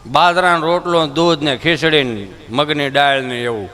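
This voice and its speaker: Male stand-up comic, Kathiawadi accent, high voice, folksy and chatty. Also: moderate pace, bright, forceful tone. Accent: Kathiawadi Gujarati. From Gujarat, India. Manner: folksy, chatty, acts out characters. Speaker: stand-up comedian. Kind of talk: stand-up storytelling.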